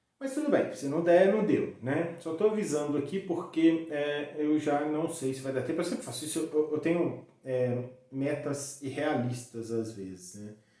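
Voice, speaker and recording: A man talks with lively intonation and hardly any pauses. The room echo is audible and the background noise is noticeable. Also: fairly high pitch for a man, fairly slow pace. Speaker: philosophy professor. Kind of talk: lecture.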